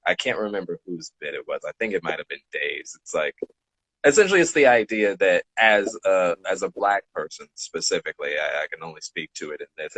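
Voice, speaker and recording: A man's voice: low voice, fairly bright tone, no echo, poor audio. A man in a casual podcast chat, explaining things in a rambling way and rephrasing as he goes. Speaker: podcast speaker.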